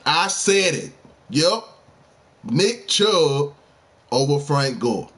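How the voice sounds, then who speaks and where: A man's voice: on the high side, big pitch swings, drawn-out words, a bit bright, breathy edge. A man streaming a game, chatting casually and heatedly with his viewers, using lots of slang as he argues about sports. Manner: talks straight to viewers. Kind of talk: casual live-stream chat.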